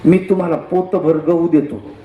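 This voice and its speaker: A man in the role of a religious teacher, telling a parable in a lively sermon and acting out the voices in the story. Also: on the high side, moderate pace, echoey room, narrow, tinny audio, a little hiss or hum.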